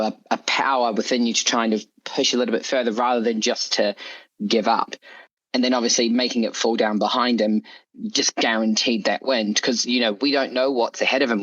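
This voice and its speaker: A man's voice: medium pitch, a bit bright, no room sound. Man explaining casually on slightly dull audio. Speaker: guest author. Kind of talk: casual explanatory interview chat.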